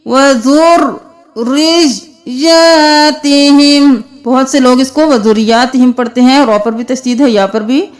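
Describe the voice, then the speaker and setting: A woman teaching tajweed, chanting Quranic words slowly and spelling them letter by letter with their vowel marks, with an Urdu-speaking South Asian accent. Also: sits high, darkish tone. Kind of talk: tajweed lesson, slow chanted recitation between quick explanations.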